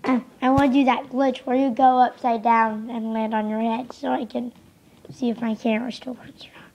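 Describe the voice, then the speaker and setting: A young woman casually commenting on a game she is playing, a little hoarse from being sick, rambling and easily distracted. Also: a little high, little pitch movement, moderate pace, darkish tone, a little hiss or hum. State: losing voice, sick. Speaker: gameplay commentator. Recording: slightly dull lo-fi home recording.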